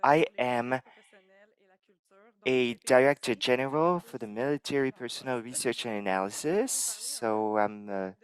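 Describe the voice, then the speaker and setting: A man interpreting a conference talk live into English, measured and halting, pausing as he translates. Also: medium pitch, lively intonation, clean tone, poor audio. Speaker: simultaneous interpreter.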